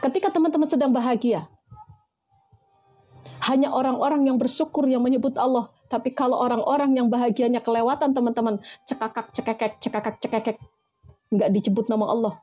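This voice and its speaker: High, mellow-toned woman preacher giving a motivational talk to her listeners. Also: brisk, faint music behind. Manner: addresses listeners as friends, asks rhetorical questions.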